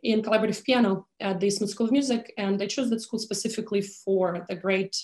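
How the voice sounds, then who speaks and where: A woman's voice: medium pitch, fast talker, darkish tone. Chatty woman with roomy echo. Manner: hesitant, many fillers, laughs easily. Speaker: opera conductor and pianist, interview guest. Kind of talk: casual conversational interview.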